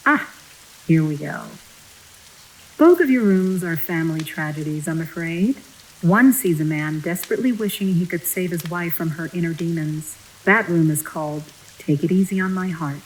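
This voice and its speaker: An actress as a composed, low-voiced female manor attendant. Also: normal speed, a little hiss or hum, natural voice, poor audio. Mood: composed, polite. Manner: polite, composed, formal. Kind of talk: audio drama acting.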